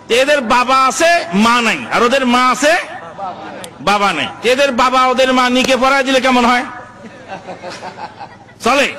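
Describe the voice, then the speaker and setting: A man's voice: very high voice, pushed and bright. A man preaching a sermon, asking his listeners rhetorical questions and repeating key phrases. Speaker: Islamic preacher.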